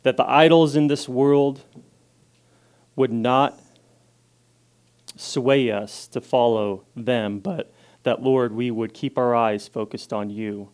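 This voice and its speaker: A man preaching a sermon in a casual way, reading scripture with rising emphasis and then praying softly. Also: mid-range voice, steady tone, slow pace, long pauses, clear, resonant tone. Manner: loud, casual and self-deprecating, reads scripture with rising emphasis, prays softly. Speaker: guest preacher.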